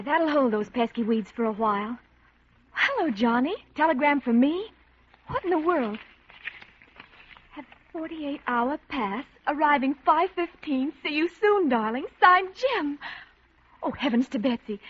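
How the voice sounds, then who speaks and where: An actress playing a cheerful, bubbly young housewife in a 1940s radio ad. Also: female voice, sits high, animated, a little slow. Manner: bubbly, old-fashioned exclamations. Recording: dull lo-fi old radio broadcast.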